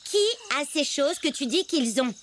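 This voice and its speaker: A woman voicing a sensible, assertive young girl in an animated series, with a firm, questioning manner. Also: sits high, moderate pace, noisy background.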